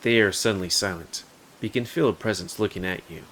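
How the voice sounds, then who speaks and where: A man's voice: on the low side, quick pace, a bit bright, slight background noise. A man casually reading a game's text aloud and adding joking asides. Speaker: gamer. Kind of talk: let's play, reading game text aloud. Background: game music.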